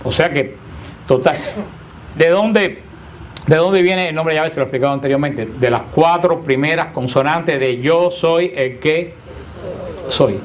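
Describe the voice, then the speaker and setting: A man's voice: fairly high pitch, normal speed. A man teaching a Bible class to a live group in a room, speaking conversationally and often asking his listeners questions. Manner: conversational, asks the class questions, playful teasing.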